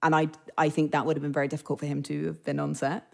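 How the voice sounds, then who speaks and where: A woman's voice: sits low, little pitch movement, racing, gravelly, a little mellow. A British woman chatting as a podcast guest, self-deprecating and full of fillers. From Britain. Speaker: actress guest. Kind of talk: casual podcast chat. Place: remote or studio podcast recording.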